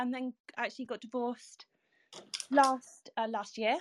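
In a British accent, a woman speaks at a fairly slow pace, and the sound is dry and close with no echo. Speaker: virtual assistant. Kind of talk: personal testimony. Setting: online audio room.

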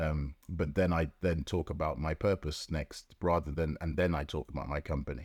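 With a London accent, a man speaks in a very deep, low voice at a moderate pace, his intonation monotone and flat. The sound is dry and close, with no echo. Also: very clean recording, silent background. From south London (Lambeth). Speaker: business CEO. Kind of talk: interview conversation.

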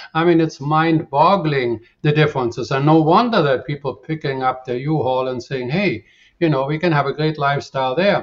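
A man talks in an ordinary speaking voice at a moderate pace. His pitch is fairly high, with ordinary variation. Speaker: real estate commentator. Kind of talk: interview.

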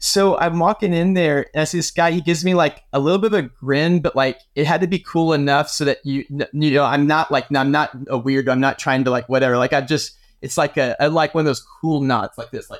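In a very clean recording with a silent background, a man with a fairly high pitch speaks in an American accent, showing ordinary pitch variation. His is an unremarkable speaking voice, moving at a fairly quick pace with hardly any pauses. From US South. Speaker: fitness program member. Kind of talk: casual chat.

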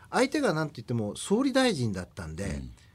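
On a very clean recording with a silent background, the talking is fairly quick. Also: man. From Tokyo, Japan. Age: 50s. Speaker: literary critic. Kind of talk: radio interview discussion.

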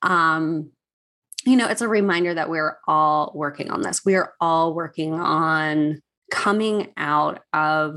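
A woman's fairly low pitch, a normal speaking voice with ordinary pitch variation, on a very clean recording with a silent background. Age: 40s. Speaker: podcast host and women's energy coach. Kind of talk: casual monologue.

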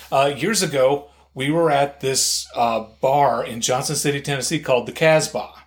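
Noticeable background noise sits behind a man's fairly high voice. He keeps a moderate pace with ordinary pitch variation. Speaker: podcast co-host. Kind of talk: casual chat.

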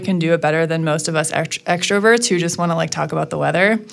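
A woman with an unremarkable speaking voice, ordinary pitch variation and a fairly quick pace. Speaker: podcast resource researcher. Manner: casual, uses filler words.

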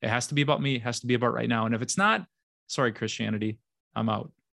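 In a very clean recording with a silent background and a dry, close sound with no echo, a man uses a normal speaking voice at medium pitch with ordinary pitch variation. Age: 40s. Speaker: pastor and podcast host. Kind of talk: casual chat.

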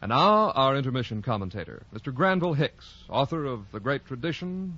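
A man talks at a fairly quick pace with a medium pitch. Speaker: radio announcer. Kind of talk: formal radio announcement, scripted. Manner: formal, polished, crisp mid-century announcer delivery.

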